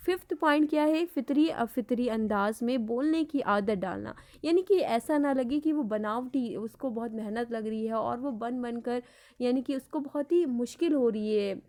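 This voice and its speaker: A woman with an Indian Urdu accent teaching an online class, explaining slowly and repeating each point, with English words mixed in. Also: on the high side, a little mellow. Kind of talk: online lecture.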